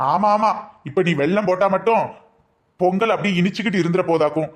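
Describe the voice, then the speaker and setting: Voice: medium pitch, brisk, close to an everyday voice. A performer voicing a village father and husband who teases his wife with mocking jokes, in a cartoon comedy. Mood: teasing.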